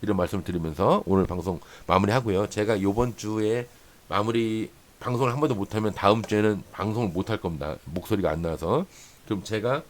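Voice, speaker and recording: Low-voiced man explaining stock charts. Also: brisk. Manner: explanatory, points along a chart with many "here" and "this much"; repeats phrases for emphasis, asks "right?" often. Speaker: stock trading channel host. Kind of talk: chart-analysis lesson for day traders.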